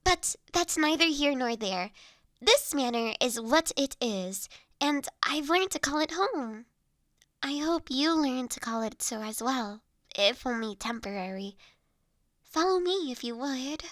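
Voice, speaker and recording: A woman playing a gentle, courteous young noblewoman who looks after the listener in an intimate roleplay audio drama, with soft, formal, old-fashioned phrasing. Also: high-pitched, expressive, measured pace, dry recording, studio quality. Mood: welcoming. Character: gentle, courteous young noblewoman, doting new master of an automaton.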